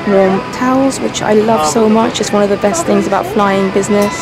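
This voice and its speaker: A young woman in her twenties chats eagerly to a camera held at arm's length from her airplane seat. Her voice sits at an ordinary middle pitch and carries lots of enthusiasm. Loud background music plays under her throughout. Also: steady tone, moderate pace, poor audio. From Persian-speaking family. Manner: chatty and enthusiastic, easily impressed. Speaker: travel vlogger. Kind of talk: casual travel vlog chat to camera. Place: airplane business class cabin. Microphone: handheld camera at arm's length.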